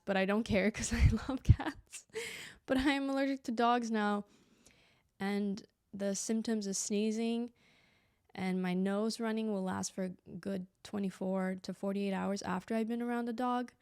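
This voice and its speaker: A young woman hosts a casual solo podcast, reflective and conversational, full of fillers and asides. She sounds a little stuffy and slightly lispy from a clear dental aligner. Her mid-range voice is darkish, recorded dry at studio quality.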